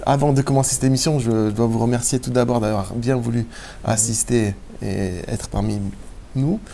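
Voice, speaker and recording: A man's voice: medium pitch, steady tone, moderate pace, vocal fry, dark tone, slight background noise. Man hosting a TV interview. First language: Slovenian. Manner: hesitant, many fillers in French. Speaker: TV host and interviewer. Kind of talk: scripted introduction then interview.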